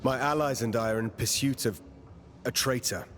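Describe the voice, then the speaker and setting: A man's voice: medium pitch, moderate pace, slight background noise, lightly acted. Man acting a resolute young game warrior. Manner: terse, steady. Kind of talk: video game cutscene acting.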